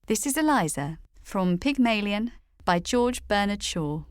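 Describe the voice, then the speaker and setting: A woman's voice: medium pitch, expressive, measured pace. A woman reading scripted narration as a storyteller. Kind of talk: scripted narration for a drama reel.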